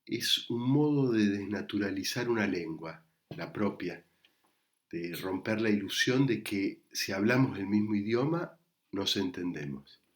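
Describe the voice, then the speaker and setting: A man with an Argentine Spanish accent, a psychoanalyst giving a prepared talk recorded remotely in a measured, reflective way. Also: lowish voice. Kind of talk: prepared lecture read to camera. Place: recorded remotely, not in the event hall.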